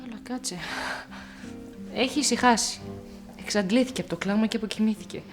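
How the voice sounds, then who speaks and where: A woman's voice: on the high side, music in the background, natural voice. An actress playing a tired, irritable middle-aged mother who talks in snappy, exasperated bursts in a TV drama. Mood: irritated. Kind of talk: TV drama acting.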